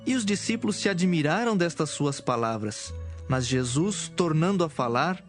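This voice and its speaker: Man, scripted dramatic Bible narration, raised pitch, soft music behind. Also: lively intonation, moderate pace.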